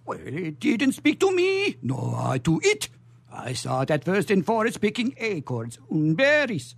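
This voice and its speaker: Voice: mid-range voice, huge pitch swings, unhurried, creaky, no room sound, full character voice. An actor playing a tipsy, one-eyed gypsy man who rambles comically in a radio theatre melodrama. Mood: tipsy, boastful.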